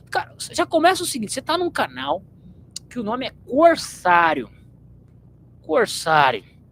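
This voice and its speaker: A man's voice: extremely high pitch, fairly bright tone, a little hiss or hum, low-quality recording. A man from São state, hosting his channel in a blunt, slangy, rambling monologue to viewers. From São Paulo state, Brazil. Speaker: channel host.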